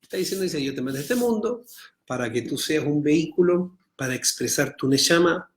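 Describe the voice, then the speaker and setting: A man's voice: on the high side, expressive, fairly quick. A middle-aged man with a Chilean Spanish accent teaching an online Torah class, reading Hebrew text aloud and translating it line by line, often checking in with his students.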